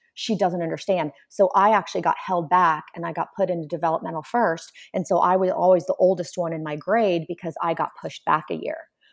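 Recorded very cleanly against a silent background, a woman with a plain, everyday voice and fairly low pitch talks at a fairly quick pace, with fairly even intonation and hardly any pauses. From Bartlesville, Oklahoma (born in Poland). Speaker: TV host and explorer. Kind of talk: interview conversation.

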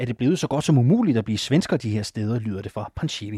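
In a very clean recording with a silent background and a dry, close sound without echo, a man speaks in a somewhat breathy voice with a dark, mellow tone. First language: Danish (speaking Swedish). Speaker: radio podcast host. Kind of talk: scripted narration.

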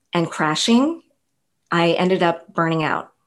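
At a moderate pace, a woman speaks in a plain, everyday voice with lively intonation. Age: 40s. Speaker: graphic designer and entrepreneur. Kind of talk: casual chat. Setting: live online session with audience.

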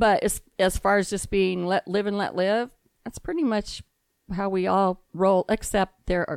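At a fairly slow pace, a woman talks in an ordinary speaking voice with medium pitch. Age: 60s. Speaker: host's mother. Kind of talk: casual chat.

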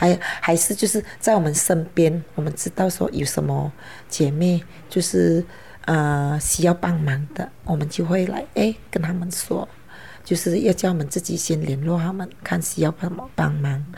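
A woman at a fairly low pitch, fairly slow, with ordinary pitch variation and noticeable background noise. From Indonesia, Aceh (Sumatra). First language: Hokkien (speaking Chinese). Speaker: volunteer. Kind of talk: interview. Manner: halting.

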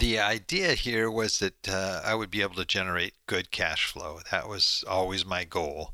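Fairly low-pitched male voice, bright and sharp in tone, moderate pace with hardly any pauses, ordinary pitch variation, very clean recording against a silent background. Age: old. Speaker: real estate investing podcast host. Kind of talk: solo educational podcast monologue. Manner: casual, frequent filler words and restarts.

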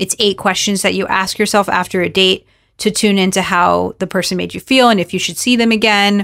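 A normal speaking voice with an American accent moves at a fairly quick pace with fairly even intonation, on a very clean recording with a silent background and a dry, close sound with no echo. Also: woman, medium pitch for a woman. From US, South Florida. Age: 30s. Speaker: dating coach and behavioral scientist. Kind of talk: interview.

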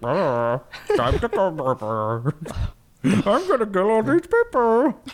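Someone puts on a character voice at a middle pitch, moving at a fairly slow pace. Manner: gruff, mocking.

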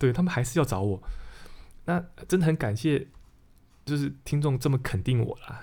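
A man's somewhat breathy voice with a dark, mellow tone and lively intonation, at a fairly quick pace, in a very clean recording with a silent background. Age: 40s. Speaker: podcast host, insurance agent. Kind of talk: casual monologue.

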